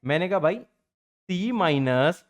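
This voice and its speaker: Male math tutor, fairly high voice, swinging pitch, chatty catchphrases, drops low when playing the student. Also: animated, slow. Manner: plays both teacher and student in his own voice; chatty, fond of catchphrases like "bachcha party". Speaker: math teacher. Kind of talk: exam-prep math lecture.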